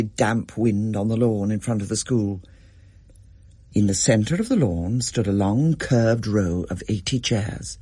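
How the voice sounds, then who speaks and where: Expressive husky male storyteller. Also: medium pitch, no room sound, clean studio sound. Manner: gently storytelling, varied and expressive. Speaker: narrator. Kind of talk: scripted narration, storybook reading.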